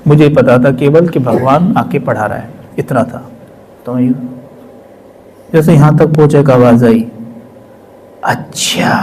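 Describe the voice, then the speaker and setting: A male spiritual speaker telling a personal testimony with emotion, sometimes dropping to a hush. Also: medium pitch, slight background noise, rough recording. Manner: emotional, drops to hushed tones for quoted voices.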